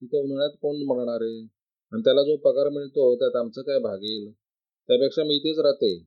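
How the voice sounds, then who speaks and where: A man's voice: medium pitch, fairly quick, natural voice. A man voicing a vain, blunt young woman who talks with scorn and boasts. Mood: scornful. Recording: dry, slightly dull recording.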